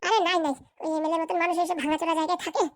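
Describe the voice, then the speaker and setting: A woman's voice: very high voice, flat delivery, rapid-fire, no echo, studio quality. A woman voicing a bossy, foul-tempered, scheming village woman in a comic cartoon, scolding and threatening in a rural Bengali dialect. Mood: dismissive.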